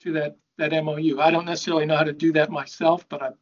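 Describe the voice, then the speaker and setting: A man speaking in a formal bargaining meeting over a video call, measured and procedural. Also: fairly high pitch, flat delivery, muffled recording, a crowd in the background. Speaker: university bargaining representative.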